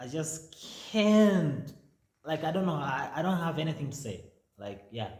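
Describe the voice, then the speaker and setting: A soft-spoken man with a fairly high pitch talks at a moderate pace with lively intonation and long, frequent pauses, and some room echo can be heard. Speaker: vlogger telling personal story. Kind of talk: storytime monologue. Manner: halting, repeats words.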